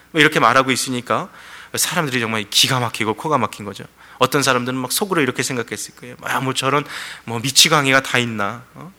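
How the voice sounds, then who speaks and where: A man preaching from a church pulpit in a bright, forceful voice. He tells the story in lively sermon style, often pausing on fillers. His voice rings with the long reverb of the sanctuary. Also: mid-range voice. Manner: storytelling preaching with frequent fillers and shifting emphasis. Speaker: pastor.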